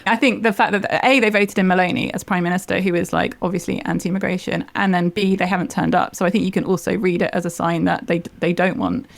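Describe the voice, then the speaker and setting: A woman's voice: fairly low pitch, fairly even intonation, quick pace, vocal fry, hardly any pauses. A woman speaking as a panellist in a conversational news discussion, explaining things in an informal manner.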